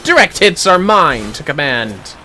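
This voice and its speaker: A man's voice: on the high side, very animated, measured pace, pushed and bright, faint music behind. A man giving casual, foul-mouthed commentary on a gaming livestream, muttering to himself with playfully theatrical outbursts.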